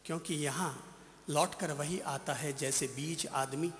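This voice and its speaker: A man's voice: a little high, fairly even intonation, measured pace, a bit bright, a little hiss or hum. A man preaching to a live audience as a spiritual teacher. He tells stories dramatically and asks the crowd questions. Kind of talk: live sermon with storytelling. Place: large hall with a live audience. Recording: echoey hall.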